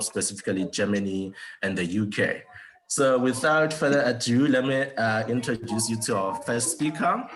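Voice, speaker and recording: A man's voice: fairly low pitch, fairly bright tone, a little hiss or hum. A man hosting an online seminar over a video call, talking loosely with many fillers and restarts. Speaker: webinar host.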